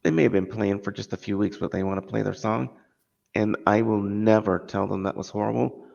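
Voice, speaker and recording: A man hosting a casual interview chat, telling stories in a relaxed, easygoing way. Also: fairly low pitch, fairly quick, gravelly. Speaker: podcast host. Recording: dull lo-fi audio with long reverb.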